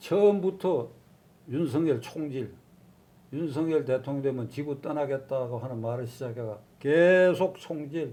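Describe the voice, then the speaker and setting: At a very slow pace, a man speaks with a dark, mellow tone, fairly high pitch and ordinary pitch variation. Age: 80s+. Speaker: former politician. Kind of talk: interview answer.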